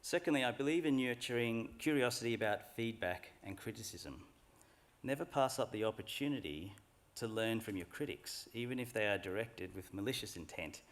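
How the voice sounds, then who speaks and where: A middle-aged man giving a formal graduation address from a lectern microphone in a large hall, in a measured and earnest way. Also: fairly low pitch. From Australia. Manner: measured, earnest, reflective speech delivery. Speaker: graduation speaker.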